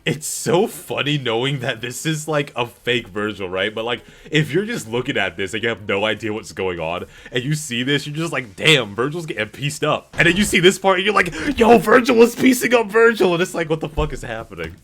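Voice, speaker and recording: A man streaming casual reaction commentary to viewers, animated and slangy, swearing freely. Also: medium pitch, fairly quick, few pauses. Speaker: streamer reacting to game cutscenes.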